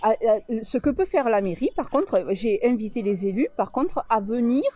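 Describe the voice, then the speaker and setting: A woman organizing a local public meeting, speaking hesitantly in an interview with many filler pauses. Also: fairly high pitch, animated, dark tone, lo-fi sound. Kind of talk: radio interview.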